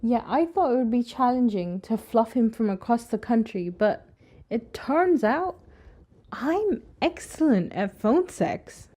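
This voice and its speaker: Mellow, cheeky flirt. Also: female voice, on the high side, lively intonation, unhurried. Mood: flirty. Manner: coy, suggestive. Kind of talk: audio drama acting.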